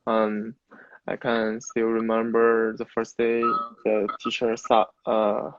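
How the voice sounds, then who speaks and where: Young guy w/ mandarin accent, native mandarin, student answering questions kinda haltingly, dry but dull lo-fi sound. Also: medium pitch, dry recording. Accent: Mandarin Chinese. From China. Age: young adult. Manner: halting, non-native phrasing. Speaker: university student interviewee. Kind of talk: informal interview answers.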